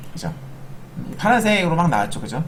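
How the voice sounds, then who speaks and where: A man with a fairly high pitch is heard amid noticeable background noise and audible room echo. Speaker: stock market YouTuber, futures trading analyst. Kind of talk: market briefing monologue.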